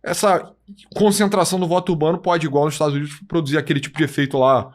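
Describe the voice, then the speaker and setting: A man co-hosting a podcast, chatting about politics in an animated way, full of fillers. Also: a little high, racing. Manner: animated, lots of fillers like tipo and né. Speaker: podcast co-host. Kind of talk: casual political chat.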